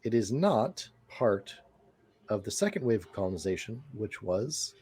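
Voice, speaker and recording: A man narrating as game master of a tabletop role-playing game, describing scenes and answering players with relaxed, thinking-aloud fillers. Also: fairly low pitch, unhurried, slightly rough.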